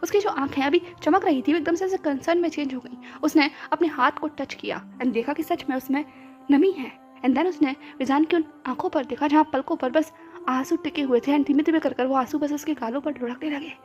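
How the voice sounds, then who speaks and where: A woman's voice: high voice, brisk, highs cut off. A woman narrating a romance story, mixing English words into her telling. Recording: soft background music.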